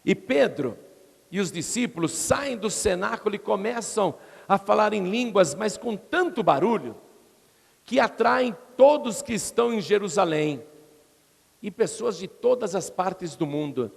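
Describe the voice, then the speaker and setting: Brazilian pastor preaching, high voice with some gravel, big echoey church hall. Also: male voice, expressive, unhurried. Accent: Brazilian Portuguese. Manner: dramatic storytelling, acting out crowd voices with rising pitch. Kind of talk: expository sermon. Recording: long reverb of a large hall.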